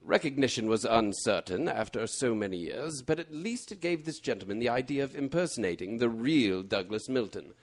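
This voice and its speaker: Animated, theatrical gentleman detective played by a man. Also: mid-range voice. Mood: assured, explanatory. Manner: precise, theatrical, deliberate explaining. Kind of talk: old-time radio mystery acting.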